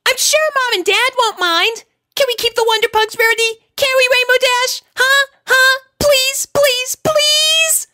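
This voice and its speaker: A woman voicing an excitable, stubborn little unicorn filly from a cartoon story, with a whiny, insistent way of begging. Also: very high-pitched, measured pace, hardly any pauses, soft background music, pitched above the performer's own voice, exaggerated voice. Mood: eager pleading.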